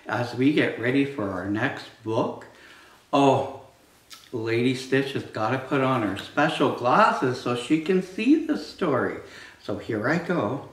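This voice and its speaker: Slow, theatrical drag queen in a roomy space. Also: mid-range voice, fairly bright tone. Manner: theatrical, playful drag queen delivery, drawing out words. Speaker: drag queen storytime performer. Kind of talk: children's picture book read-aloud with asides. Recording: roomy, distant microphone.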